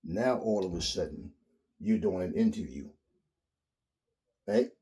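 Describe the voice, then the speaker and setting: A man, giving a blunt, profane, animated solo rant as a boxing commentary host. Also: deep voice, measured pace. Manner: blunt, profane, animated, mimics others in quotes.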